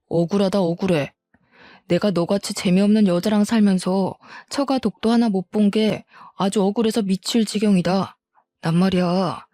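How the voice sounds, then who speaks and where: A woman's voice: medium pitch, mellow, dry recording, lightly acted. A woman voicing a resentful, self-pitying middle-aged husband in a dramatized story reading. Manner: whining, then defiant and bitter.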